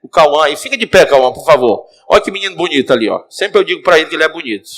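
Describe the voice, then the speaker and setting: A man's voice: on the high side, very fast. A man preaching in a church, telling a story as a sermon and calling out to the congregation, with a Cearense Brazilian Portuguese accent. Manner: animated, addresses the congregation directly. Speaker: bishop, preacher.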